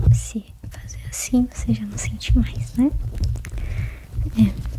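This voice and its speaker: Soft-spoken and gentle in tone, a woman talks at a very slow pace with light background noise behind her. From Brazil. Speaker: ASMR creator. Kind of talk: ASMR roleplay, acupuncture clinic. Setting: studio, close microphone. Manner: soft-spoken, gentle, slow. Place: home room. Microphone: studio mic.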